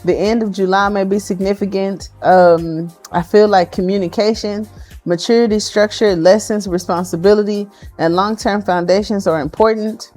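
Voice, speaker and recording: A woman doing a casual tarot card reading for her viewers, chatty and excitable as she thinks aloud. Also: mid-range voice.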